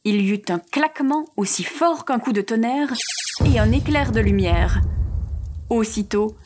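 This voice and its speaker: A woman narrating an audio fairy tale in a slow, gentle storytelling manner. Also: on the high side, expressive, slight background noise.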